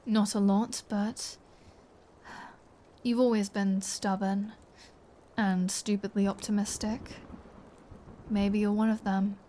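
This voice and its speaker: A woman's voice: mid-range voice, flat delivery, mellow, slight background noise, close to an everyday voice. A woman playing a taunting, flirtatious female vampire in an ASMR roleplay, teasing and sardonic with a wistful edge. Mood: wry, wistful. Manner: slow, teasing, sardonic, with sighs and whispered phrases. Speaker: audio roleplay performer.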